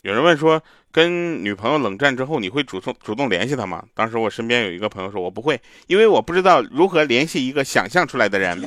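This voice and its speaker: A man doing a stand-up comedy monologue with deadpan jokes. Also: quick pace, hardly any pauses, no echo, clean studio sound, soft background music. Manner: deadpan joke delivery with lively pitch swings. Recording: clicks and noise in the recording.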